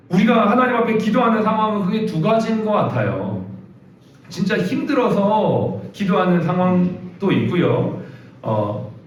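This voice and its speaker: A man preaching a sermon in a hospital chapel, earnest and storytelling, acting out the voices of people he quotes. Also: high-pitched. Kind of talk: sermon with personal testimony. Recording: very echoey, distant, dull, faint noise.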